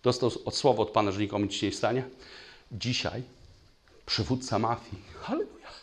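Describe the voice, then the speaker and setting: A man preaching a sermon in a church, telling stories with lively sound effects, at times moved to tears. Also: fairly low pitch, moderate pace. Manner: animated, acts out gunfire with spoken sounds; emotional, voice breaks. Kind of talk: sermon with storytelling. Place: church hall.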